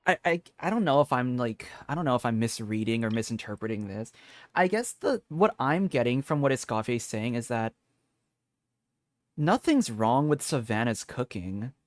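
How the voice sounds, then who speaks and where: A man giving casual commentary on a game, thinking aloud in a halting, repetitive way. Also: medium pitch, expressive, no echo, clean studio sound. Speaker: streamer. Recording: game music behind the voice.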